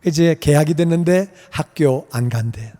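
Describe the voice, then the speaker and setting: Middle-aged male pastor, sermon storyteller, slightly high voice, big reverberant sanctuary. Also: moderate pace. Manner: animated storytelling, acting out dialogue. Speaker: pastor and missionary. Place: church sanctuary. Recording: long church hall reverb.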